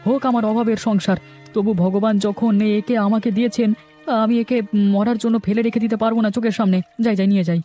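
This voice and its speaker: A man's voice: high-pitched, fairly even intonation, a little fast, mellow, close to an everyday voice. A man voicing a poor, kind fisherman in a cartoon story, earnest and exclamatory. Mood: shocked, pitying. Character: poor, tender-hearted fisherman husband. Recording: music under the voice. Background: music.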